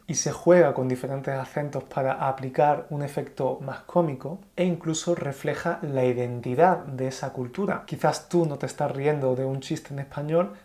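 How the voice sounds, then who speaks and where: A man from Andalusia, speaking with an Andalusian Spanish accent, giving a calm and clearly explained Spanish lesson to learners. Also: mid-range voice. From Andalusia, Spain. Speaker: Spanish teacher. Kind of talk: scripted online Spanish lesson.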